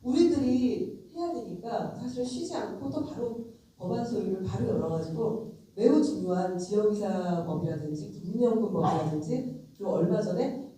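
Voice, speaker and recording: A woman's voice: mid-range voice, mellow, a little hiss or hum. A middle-aged woman with a cold, a lawmaker giving a frank, conversational lecture straight to her audience. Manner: frank, emphatic, addresses audience directly. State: has a cold. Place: convention center lecture hall. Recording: very echoey hall, distant mic.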